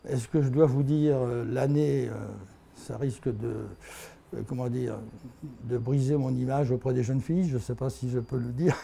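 Gravelly, self-mocking man in his eighties. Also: mid-range voice, fairly even intonation, moderate pace, dark tone. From Haut-Morvan, France. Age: 80s. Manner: rambling, self-mocking, laughs often, many restarts. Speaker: interviewee, anthropologist. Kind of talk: filmed life-story interview. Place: office with bookshelves, indoors. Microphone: lapel mic.

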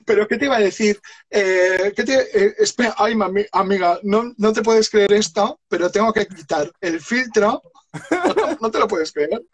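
A man from the Basque Country with a notably high voice, chatting camply over a phone video call. He gushes and trails off mid-sentence, calling his guest darling at every turn. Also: normal speed, slightly rough. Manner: campy, chatty, lots of terms of endearment. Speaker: host of a drag chat show. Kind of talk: camp casual video chat. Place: indoor room with clothes rack.

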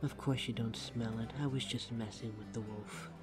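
Vampire barista, acted by a man, audio roleplay, medium pitch, courteous, dryly snide, prominent background music. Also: fairly even intonation, moderate pace, natural voice. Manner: polite, dry, teasing. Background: music behind the voice.

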